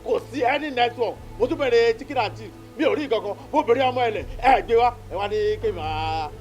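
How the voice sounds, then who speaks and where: A man's voice: extremely high pitch, quick pace, over music. An actor with a Nigerian accent playing an exasperated king who rants and complains, mixing Yoruba and English. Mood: complaining.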